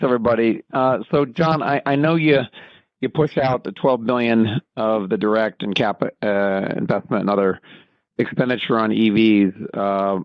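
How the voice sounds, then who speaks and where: A man asking a question as a financial analyst on a conference call, halting and correcting himself as he goes. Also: fairly low pitch, no echo. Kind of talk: spontaneous question on an earnings call. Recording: dull, band-limited conference call line.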